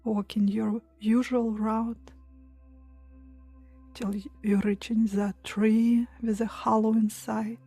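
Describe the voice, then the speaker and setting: Female meditation guide: highish but mellow, hushed and soothing, unhurried short phrases, soft music behind. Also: little pitch movement, dry recording. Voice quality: soft, breathy, near-whisper at times. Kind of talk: guided meditation, hypnotic relaxation countdown.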